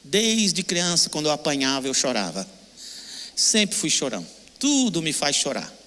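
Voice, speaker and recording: A man's voice: a little high, sing-song, measured pace, sharp tone, big-room sound. An older man preaching a sermon with a Brazilian Portuguese accent, emotional and emphatic, repeating short phrases. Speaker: pastor.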